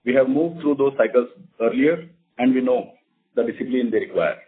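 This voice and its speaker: Over a narrow, phone-like conference line, an Indian company executive with a mid-pitched voice addresses investors on an earnings call. He is animated yet formal and measured, giving prepared remarks and formal answers to investor questions.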